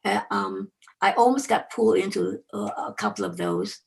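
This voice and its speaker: An older woman speaking casually in an online class, halting and searching for her words. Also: medium pitch, gravelly. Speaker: class participant. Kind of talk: hesitant casual question. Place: online video call.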